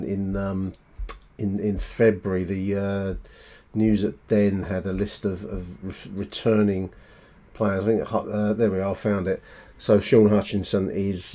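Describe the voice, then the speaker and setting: Low, mellow-voiced male podcast host. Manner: halting, self-correcting, matey, tag questions. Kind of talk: casual fan podcast commentary on voicemails.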